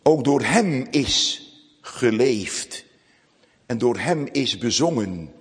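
A man preaching a sermon to his congregation, slow and solemn, with dramatic pauses. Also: medium pitch, expressive. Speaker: pastor. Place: church. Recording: long reverb of a church hall.

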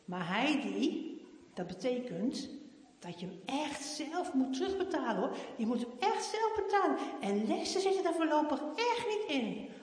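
A woman's voice: high voice, very animated, moderate pace, a little mellow, pitched above the performer's own voice. A woman voicing a kind, cheerful father who talks in an encouraging, laughing manner, read aloud in a story. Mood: firm. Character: kind cheerful father, middle-aged man. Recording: echoey hall.

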